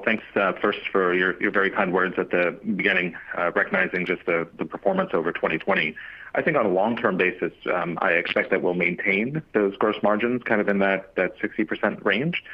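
A man answering as a company executive on an earnings call, measured and business-like. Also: deep voice, husky. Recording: dull lo-fi conference call audio.

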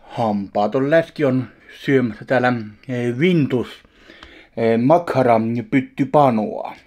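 A man in his thirties reviewing a ready meal in his home kitchen, talking slowly and deadpan between bites into a webcam. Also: mid-range voice. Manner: unhurried, chewing between remarks, deadpan. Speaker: food vlogger. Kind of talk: casual eating review. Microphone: webcam at arm's length.

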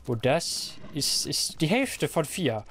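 A man giving casual, playful Let's Play commentary, talking to the game and his viewers, his voice a bit hoarse. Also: fairly high pitch, very animated, slow, fairly bright tone, slight background noise. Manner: playful, talks to the game and viewers, silly noises. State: slightly hoarse, clearing throat.

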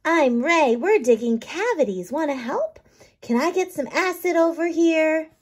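Woman doing bossy, high little tooth microbes. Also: animated, unhurried. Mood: busy, cheeky. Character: mischievous tooth microbes busily digging cavities. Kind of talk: children's picture book read-aloud.

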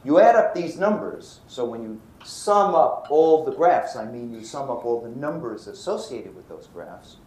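An older man from Brooklyn giving a university physics lecture, animated and often checking in with his students. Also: medium pitch, moderate pace, hardly any pauses. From Brooklyn, New York. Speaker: physics professor. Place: lecture hall. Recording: roomy lecture hall, faint noise.

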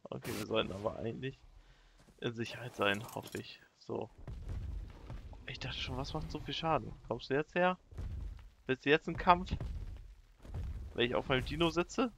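A man commentating his own gameplay in a casual let's-play style, animated and quick to shriek in panic when things go wrong. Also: mid-range voice, gravelly, a little hiss or hum.

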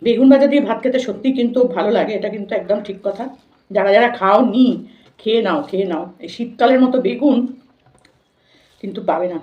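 Eating as she talks, a vlogger chats casually to her viewers in a food-vlog style, speaking quickly in a mid-range voice. The room echoes and the audio is dull and lo-fi.

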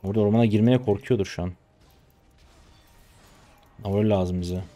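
A man in his twenties from Turkey giving casual live commentary on his own gameplay, chatty and trash-talking, with sudden loud excited shouts, on a close desk mic. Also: fairly low pitch, normal speed, faint music behind. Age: 20s. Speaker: gaming streamer.

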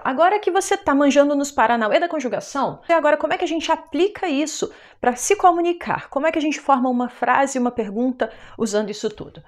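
A young Brazilian woman with a Brazilian Portuguese accent teaching a German lesson online, explaining patiently step by step and slowing down for the example words. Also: sits high.

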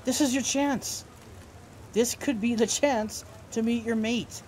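A man's voice: very high voice, fairly even intonation, slow pace, a little mellow, a little hiss or hum. A man playing a teasing, upbeat werewolf friend in his twenties in an audio drama. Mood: excited.

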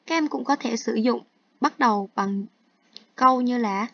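An English teacher, a woman with a fairly high voice, unhurriedly explains textbook exercises step by step during an online lesson, using both Vietnamese and English terms. The recording has no echo and sounds dull, dry and lo-fi.

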